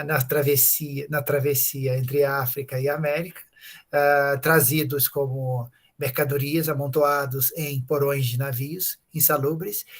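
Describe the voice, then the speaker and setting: Speaking in a voice on the high side, a Brazilian Portuguese-accented man lectures unscripted as a professor at a conference. His explanatory delivery is full of fillers and tag questions.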